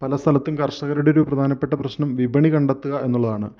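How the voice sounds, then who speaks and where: A man's voice: mid-range voice, steady tone, fairly quick. A man hosting a farm radio program, asking formal questions and murmuring short assents. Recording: dull lo-fi radio sound.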